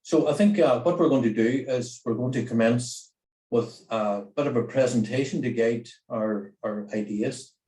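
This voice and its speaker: A man's voice: medium pitch, normal speed, warm tone, roomy sound, far from the mic, rough recording. A man chairing an online information session as a nursing educator, speaking hesitantly with many fillers.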